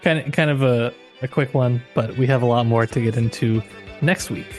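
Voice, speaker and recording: A man's voice: medium pitch, fairly even intonation, normal speed, a little mellow, soft background music. A man co-hosting a casual literary discussion, analysing in a tentative, hedging way. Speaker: podcast co-host.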